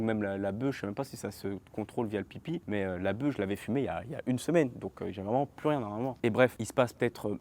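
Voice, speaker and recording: A man in his twenties, telling an animated story straight to his viewers in a casual storytime vlog. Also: lowish voice. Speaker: vlogger.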